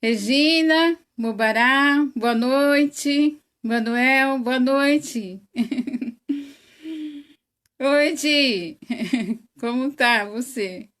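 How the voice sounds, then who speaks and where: A woman with a Brazilian Portuguese accent hosting an online study livestream, chatting casually, greeting viewers one by one by name and laughing often. She says her voice is very loud. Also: high voice, very slow, long pauses. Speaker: host of an online spiritist study.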